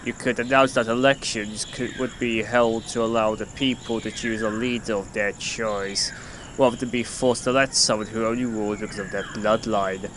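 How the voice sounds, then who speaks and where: A man's voice: lowish voice, fairly even intonation, normal speed, noisy background, natural voice. A man playing a level-headed, encouraging flying hero with a matter-of-fact manner in an amateur audio drama. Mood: reassuring.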